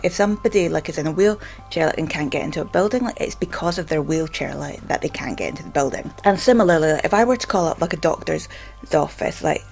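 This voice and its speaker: Low-pitched Scottish woman with a stammer. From Scotland. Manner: halting, with frequent repeated filler words. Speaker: vlogger and stammering advocate. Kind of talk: informal explainer to camera.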